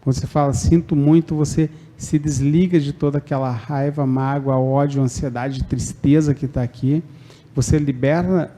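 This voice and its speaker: Mellow-voiced Brazilian man giving a talk. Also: on the high side. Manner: conversational, acts out quoted lines, frequent "né?" tags. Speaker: spiritist lecturer. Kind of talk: public talk on forgiveness. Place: spiritist centre lecture hall.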